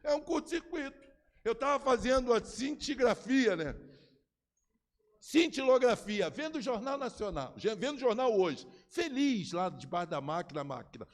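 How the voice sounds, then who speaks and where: A Brazilian man in his fifties with a Brazilian Portuguese accent, preaching with humor and playfully acting out other voices. His voice is high and swings widely in pitch. It rings with long reverb, as in a large church hall. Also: normal speed. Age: 50s. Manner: animated storytelling, joking, acting out voices. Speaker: pastor. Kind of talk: sermon.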